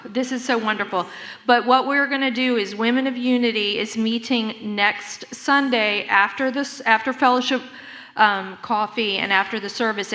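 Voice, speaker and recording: A woman's voice: mid-range voice, pushed and bright. A woman making an informal church volunteer announcement in an effusive, conversational way.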